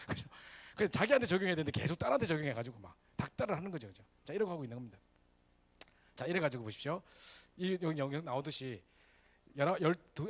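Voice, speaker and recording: A man preaches a sermon in a church. His delivery is animated and swift, his voice sitting a touch high and swinging widely in pitch as he keeps turning to the congregation for agreement. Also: slightly rough. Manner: lively, animated preaching with frequent "그죠?" asides to the congregation. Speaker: pastor. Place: church sanctuary.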